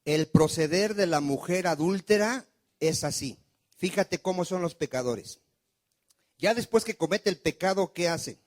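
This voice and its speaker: Pastor preaching a sermon. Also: male voice, sits high, expressive, measured pace, a little mellow. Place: church.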